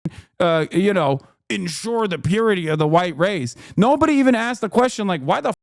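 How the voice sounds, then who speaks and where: A man hosting a livestream, giving sarcastic, profane, animated reaction commentary. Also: high-pitched, fairly quick, vocal fry, no room sound, studio quality. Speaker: livestream host.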